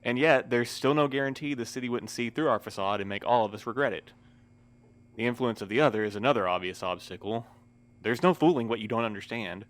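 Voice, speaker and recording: A man's voice: medium pitch, fairly quick, close to an everyday voice. A man playing a formal, weary, wry postmaster in an audio drama, speaking in precise, wordy sentences. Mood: resigned, explanatory. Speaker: voice actor in a fiction podcast. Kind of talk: scripted audio drama acting.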